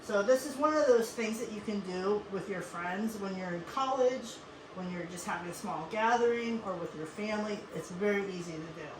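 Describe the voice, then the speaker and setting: A woman's voice: medium pitch, normal speed. A woman from Western Pennsylvania hosting a casual cooking demonstration, chatty and instructive, with frequent asides. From Western Pennsylvania, USA. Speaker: cooking show host. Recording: echoey room with clear background noise.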